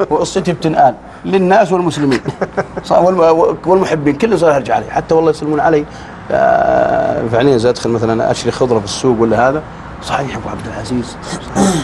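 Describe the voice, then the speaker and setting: A man's fairly high voice with lively intonation at a fairly quick pace, over noticeable background noise. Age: 40s. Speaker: preacher. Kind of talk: casual chat. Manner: animated.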